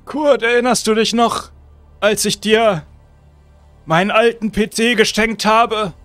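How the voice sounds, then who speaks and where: A man voicing a decayed zombie uncle who pleads with a hoarse, strained voice, repeating the boy's name and restarting his sentences. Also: high-pitched, fairly even intonation, unhurried, fairly bright tone, no echo, soft background music. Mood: coaxing. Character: undead zombie uncle, decayed, coaxing and weary.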